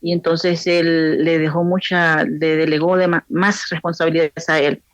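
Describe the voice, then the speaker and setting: A Honduran woman speaking in a lower register, recorded dry and close. She answers interview questions as a pastor, thoughtfully, pausing and restarting her sentences. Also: little pitch movement, dry recording, dull audio. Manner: thoughtful, many pauses and restarts. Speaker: pastor's wife and guest.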